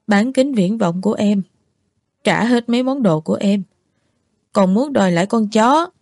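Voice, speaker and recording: A woman's voice: medium pitch, expressive, moderate pace, darkish tone, dry recording, clean studio sound, close to an everyday voice. A woman voicing a drunk, petulant young man who accuses his lover of not caring, in a storybook reading. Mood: accusing. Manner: sulky, accusing reproaches.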